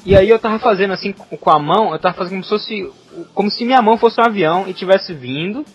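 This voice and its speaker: Brazilian male co-host, high, animated storyteller, slangy chat, muffled recording. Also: fast talker, breathy edge. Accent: Brazilian Portuguese. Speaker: podcast co-host. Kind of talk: casual chat. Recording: slightly muffled podcast audio.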